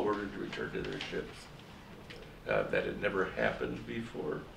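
Noticeable background noise accompanies this man as he talks at a moderate speed. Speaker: former diplomat; panelist. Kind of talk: panel talk. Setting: stage with audience. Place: meeting room. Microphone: camera far.

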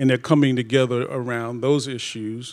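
With a New York accent, a man speaks at a medium pitch in monotone, flat intonation against a quiet background. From Brooklyn, New York. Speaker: community development organization head; panelist. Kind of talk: panel discussion. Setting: stage with audience. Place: hall. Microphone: handheld.

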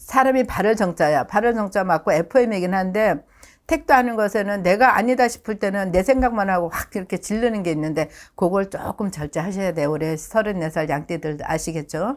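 In a very clean recording against a silent background, a woman with a normal speaking voice talks at a moderate pace and medium pitch with lively intonation. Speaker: shaman fortune teller. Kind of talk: fortune telling consultation.

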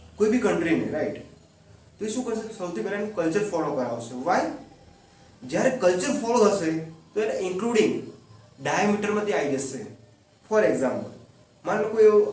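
Lively intonation and an animated tone carry this voice. Room echo is audible, and background noise is noticeable. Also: man, high pitch for a man. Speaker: teacher. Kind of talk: educational talk.

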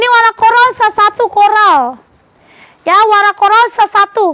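A woman speaks at a moderate pace in a bright, sharp, animated tone with lively intonation, the recording dry with no echo and the background quiet. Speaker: clothing seller. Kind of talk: live sales pitch. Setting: live stream. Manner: animated, chatty. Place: shop. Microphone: phone near.

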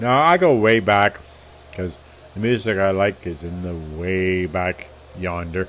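A man with a Nova Scotian accent speaks at a fairly slow pace in a very deep, low voice, with light background noise. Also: ordinary pitch variation. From Canada, Nova Scotia. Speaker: vlogger. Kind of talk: casual vlog answering tag questions. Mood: relaxed and chatty. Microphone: webcam.

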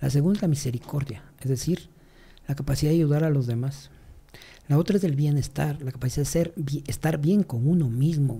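The voice is somewhat breathy with a dark, mellow tone and ordinary pitch variation, moving at a fairly quick pace broken by long, frequent pauses. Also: man. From Ecuador. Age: 50s. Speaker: professor and author. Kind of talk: interview conversation. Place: studio. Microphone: studio mic.

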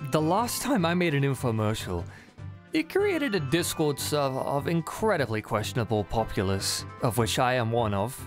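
A man speaks with very wide swings in pitch. Music plays in the background. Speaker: voice actor. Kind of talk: casual talk to camera. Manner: casual, rambling.

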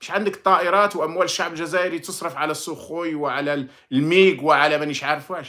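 In an Algerian accent, the voice is animated, with big swings in loudness. It moves at a fairly quick pace with hardly any pauses over a quiet background. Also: man, high pitch for a man. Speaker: political commentator, former diplomat; political commentator. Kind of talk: political monologue. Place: home room. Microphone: phone near.

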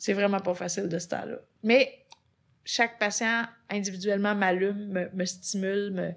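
Moderate in pace, a woman talks with monotone, flat intonation. Her background is quiet. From Beauce, Quebec; Quebec. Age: 40s. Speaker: family doctor and DJ; DJ. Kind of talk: casual podcast interview. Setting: studio. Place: studio.

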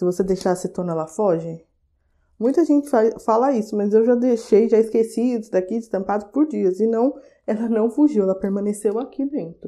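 At a fairly brisk speed, the speech carries a dark, mellow tone. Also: woman, fairly high pitch for a woman, ordinary pitch variation. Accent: Brazilian. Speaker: cleaning tips youtuber. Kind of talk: tutorial. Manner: animated.

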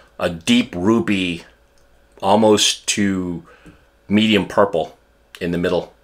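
Fairly low in pitch, a man speaks at a very slow pace with fairly even intonation against a quiet background. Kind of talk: wine tasting commentary. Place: home room. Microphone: camera far.

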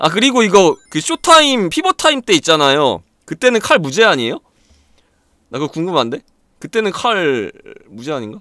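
A man with a high, bright, sharp voice and an animated tone speaks at a moderate pace with very wide pitch swings and long, frequent pauses, the sound dry with no echo over a quiet background. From South Korea. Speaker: gaming streamer. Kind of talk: live gameplay commentary.

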